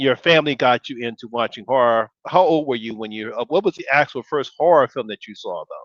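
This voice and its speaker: In an ordinary speaking voice, a man with an American accent talks at a fairly quick pace with hardly any pauses, medium pitch, ordinary pitch variation and big swings in loudness, against a quiet background. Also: dry, close sound with no echo. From Philadelphia, US. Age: 60s. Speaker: horror podcast host. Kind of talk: casual interview chat.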